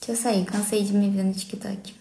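A woman's voice: medium pitch, flat delivery, brisk, warm tone, reverberant, slight background noise, rough recording. A young adult woman with a Brazilian accent chatting casually and playfully on a livestream. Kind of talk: casual live-stream chat. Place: small indoor room at home.

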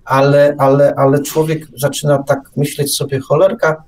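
A man's voice: a little high, level tone, normal speed, a little mellow, recorded from a distance, slight background noise. A man hosting a live radio talk, musing discursively, repeating and rephrasing himself and posing rhetorical questions. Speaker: radio show host. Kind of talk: casual live talk, reflective monologue.

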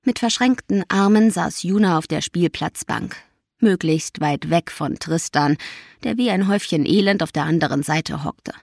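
Low-voiced woman reading an audiobook. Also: normal speed, vocal fry, no room sound, studio quality. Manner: calm, even storytelling. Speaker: audiobook narrator. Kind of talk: scripted narration.

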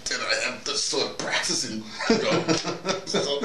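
An American man in his early sixties giving a rambling, informal monologue, halting and digressive, often repeating himself. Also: mid-range voice. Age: early 60s. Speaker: vlogger. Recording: roomy, noisy, distant microphone.

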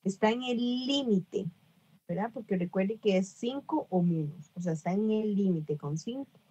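A woman's voice: mid-range voice, expressive, measured pace, mellow, breathy edge. A woman teaching an online English grammar class, explaining rules patiently, repeating herself and checking that students follow.

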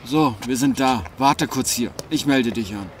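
A gruff, terse gang escort in a radio drama, played by a man. His voice sits at a middling pitch, with clear street and vehicle noise behind it. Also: unhurried, natural voice. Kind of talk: radio play acting.

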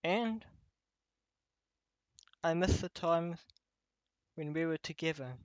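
Man voicing a slow, gentle teddy bear. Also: fairly high pitch, no echo, lo-fi sound. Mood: gentle, wistful. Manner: slow, tender, with frequent pauses. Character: gentle, nostalgic childhood teddy bear, loving and wistful. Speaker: voice actor. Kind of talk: ASMR roleplay addressed to listener.

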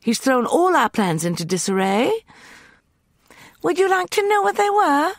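Narrator doing a high cold young woman, piercing and mocking, very dry close sound. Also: very animated, normal speed, creaky, dry recording, heavily acted. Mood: imperious. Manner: light, piercing and scornful.

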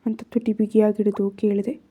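A woman's voice: medium pitch, little pitch movement, fairly quick, dark tone. A woman narrating a first-person love story in Kannada-accented speech, raising her voice for quoted lines.

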